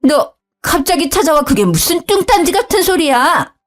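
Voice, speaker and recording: A woman voicing a sharp-tongued older mother-in-law who snaps and whines, over faint background music. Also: very high voice, very animated, normal speed, pitched above the performer's own voice. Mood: snapping. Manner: snappish, then whining.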